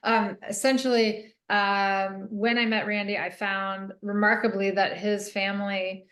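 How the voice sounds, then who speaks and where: A middle-aged woman from Northern California, an author answering interview questions thoughtfully, with many pauses and soft laughs. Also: medium pitch, little pitch movement, reverberant. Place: radio studio.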